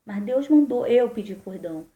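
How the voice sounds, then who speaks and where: A woman's voice: on the high side, animated, moderate pace, warm tone, highs cut off. A woman pastor with a Brazilian Portuguese accent, telling a personal testimony in a sermon with emotional, conversational storytelling. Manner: emotional storytelling, addresses listeners as brothers. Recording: echoey room.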